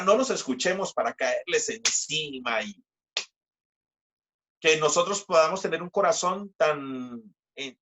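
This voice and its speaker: A man, preaching a sermon as pastor and reading scripture slowly with emphatic repetition. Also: fairly bright tone. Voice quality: deep voice. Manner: slow, emphatic scripture reading with repeated phrases.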